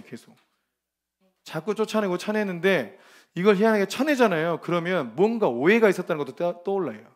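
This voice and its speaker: High-voiced animated male preacher. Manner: animated and emphatic, colloquial, laughs often. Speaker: preacher at a ministry training. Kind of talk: lively informal sermon.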